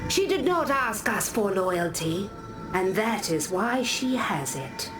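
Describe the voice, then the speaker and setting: A woman voicing a solemn, devout tribal warrior in a video game, telling her lore gravely and deliberately. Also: medium pitch, big pitch swings, over music. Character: solemn, devout female tribal warrior, loyal to moon goddess. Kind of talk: scripted game character monologue.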